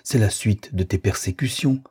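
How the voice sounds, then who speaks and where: A bitter young lover, read by a man narrating a novel, spitting accusations and then turning icily contemptuous. The voice is low, dark and very husky. He sounds wounded and unforgiving. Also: moderate pace. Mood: accusing.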